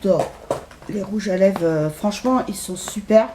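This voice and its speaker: A woman's voice: medium pitch, normal speed, warm tone, slight background noise. A middle-aged woman chatting casually in a shopping haul video, hesitant with lots of fillers. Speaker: haul vlogger. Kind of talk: casual chat.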